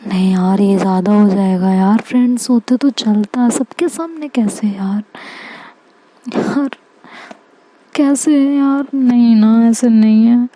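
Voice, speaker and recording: A flustered young woman in love, fretting and pleading, her voice climbing high, as a woman storyteller puts her on. She talks slowly and with a soft, mellow tone. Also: slight background noise, low-quality recording. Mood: fretful. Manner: pleading, fretful, higher-pitched.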